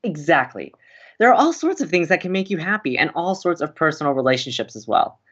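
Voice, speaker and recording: A woman playing an encouraging, excitable young college radio co-host in an audio drama. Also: low-pitched, brisk, breathy edge, lo-fi sound, heavily acted. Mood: upbeat. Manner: gushing, excitable.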